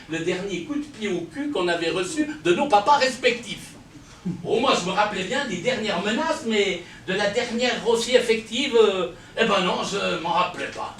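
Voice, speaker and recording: A man telling a story in a lively, anecdotal way at a live storytelling event. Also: extremely high pitch, far from the mic, slight background noise. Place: chalet. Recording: echoey room, heard from afar.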